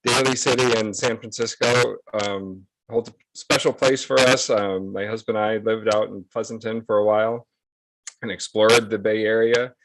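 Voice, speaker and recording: A man joins by group video call, and his low voice comes through dry and close on a computer mic. He speaks in an earnest, reflective way and laughs gently now and then. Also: fairly even intonation, normal speed, no echo, low-quality recording. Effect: heard over a group video call. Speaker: guest from a nonprofit receiving a proclamation. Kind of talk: heartfelt acceptance remarks.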